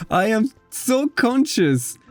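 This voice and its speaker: A man whose first language is Spanish, speaking English in an unscripted casual gaming vlog with a self-conscious, halting manner. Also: very high-pitched. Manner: self-conscious, halting, often giggling at own slips. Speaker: video creator. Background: background music.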